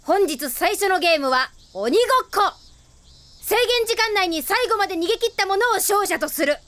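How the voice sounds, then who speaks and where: A woman's voice: very high-pitched, animated, normal speed, fairly bright tone. A woman voicing a bold, bossy girl who leads a club and barks out game rules, in an anime drama CD. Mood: commanding. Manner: commanding announcements.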